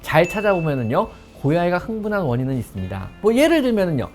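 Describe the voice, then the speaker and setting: Lively, fast-talking veterinarian host. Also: medium pitch, faint music behind. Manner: emphatic, stretches phrase endings with a drawn-out "요". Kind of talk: explanatory pet-care talk to camera.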